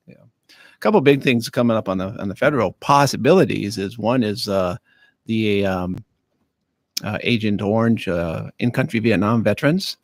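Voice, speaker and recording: A man answering questions on a radio show as a guest, speaking haltingly with many fillers and restarts. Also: lowish voice, no echo. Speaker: county veterans affairs officer, studio guest. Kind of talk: casual radio interview. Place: radio studio. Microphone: studio microphone.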